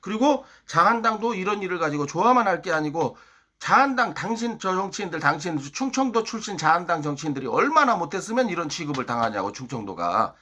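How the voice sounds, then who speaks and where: Heated man with a lively pitch. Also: fast talker. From Chungcheong, South Korea. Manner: heated, hectoring, fires rhetorical questions. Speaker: political YouTuber. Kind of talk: ranting political monologue.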